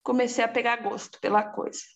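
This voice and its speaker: A woman, giving a lively casual testimonial and acting out her own past words. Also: a little high, brisk.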